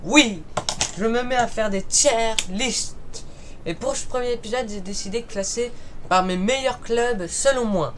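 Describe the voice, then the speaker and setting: A man's voice: very high-pitched, a little slow, a bit bright. A man from Paris talking casually in an unscripted vlog, often stumbling and correcting himself as he goes. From Paris, France. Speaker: YouTuber ranking football clubs. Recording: noisy recording with clicks.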